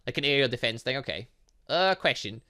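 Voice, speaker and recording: A man giving animated let's play commentary on a video game, reading dialogue aloud and adding sarcastic asides. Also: medium pitch, brisk. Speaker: gaming channel host.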